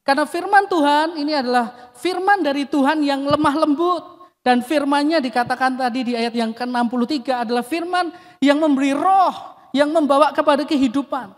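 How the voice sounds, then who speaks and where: A male pastor preaching a sermon, emphatic, often addressing the congregation and dropping his voice at the end of phrases. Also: extremely high pitch. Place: church hall. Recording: long reverb of a church hall.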